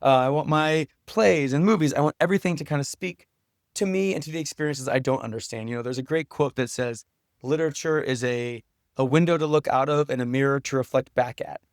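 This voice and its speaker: A man's voice: medium pitch, fairly quick, no echo, clean studio sound. A man speaking earnestly and thoughtfully as a podcast guest in a reflective interview conversation. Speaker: podcast guest, writer and teacher.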